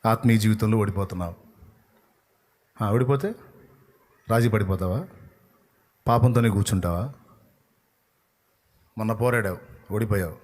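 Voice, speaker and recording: Emphatic male preacher, loud and low by turns. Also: normal speed, pauses often. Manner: emphatic, swings between loud rebukes and low earnest tones. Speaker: pastor. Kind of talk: sermon.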